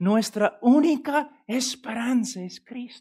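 A man speaks with an English accent and ordinary pitch variation. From US Midwest, Illinois. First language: English (speaking Spanish). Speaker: preacher. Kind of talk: sermon.

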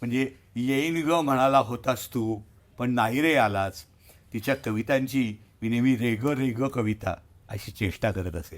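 A man speaks at a medium pitch in an unremarkable speaking voice. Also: ordinary pitch variation. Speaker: memoir storyteller. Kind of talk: personal storytelling.

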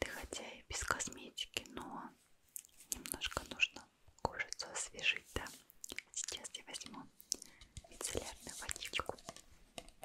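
Whispering at a fairly slow pace, a woman leaves long, frequent pauses and shows big swings in loudness. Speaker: ASMR creator. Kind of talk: ASMR makeup role play. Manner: whispered. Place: home room.

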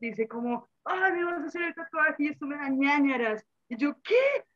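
A woman's high-pitched, bright, sharp voice at a moderate pace with ordinary pitch variation. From Colombia. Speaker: tattoo artist, listener; guest. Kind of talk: casual chat; casual live podcast chat. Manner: animated. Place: home room. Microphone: video call.

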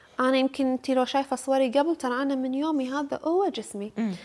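A woman speaks in a high voice with a Kuwaiti accent. Her intonation is lively. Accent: Kuwaiti Gulf Arabic. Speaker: fashion influencer. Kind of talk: casual talk show interview; interview answer. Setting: studio with audience. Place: studio.

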